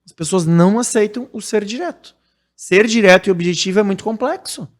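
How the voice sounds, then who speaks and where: Blunt, direct Brazilian man, higher voice. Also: a little fast. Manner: blunt and direct, animated when explaining. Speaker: podcast guest. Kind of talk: casual conversation.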